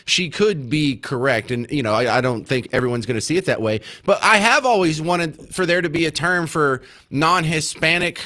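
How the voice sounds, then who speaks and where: A man hosting a call-in talk radio show, wry and animated as he takes callers. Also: on the high side, normal speed, few pauses. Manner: wry, animated, takes calls and argues points.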